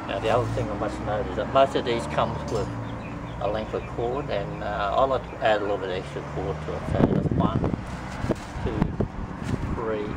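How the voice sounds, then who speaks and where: A middle-aged man talks through a hands-on demonstration one step at a time, his voice sitting fairly low. He is recorded outdoors by a camera mic a few feet off, with clear street and outdoor noise around him. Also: distant mic. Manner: plain step-by-step explaining while working with his hands. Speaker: fishing tutorial host. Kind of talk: how-to demonstration. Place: outdoor driveway beside a boat trailer. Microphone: camera mic a few feet away.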